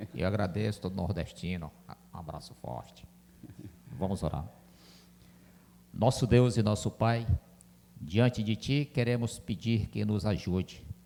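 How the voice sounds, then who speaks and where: A man with a dark, mellow tone and vocal fry talks at a fairly low pitch and a fairly slow pace, using lively intonation and long, frequent pauses. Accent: northeastern Brazilian. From Northeast Brazil. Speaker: pastor. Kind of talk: prayer. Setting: church.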